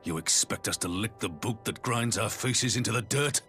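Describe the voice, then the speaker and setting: Very deep, defiant tribal leader. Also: male voice, normal speed, pushed and bright, faint music behind. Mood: bitter outrage. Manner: scornful, emphatic, clipped phrases. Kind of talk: dramatic scripted game cutscene dialogue.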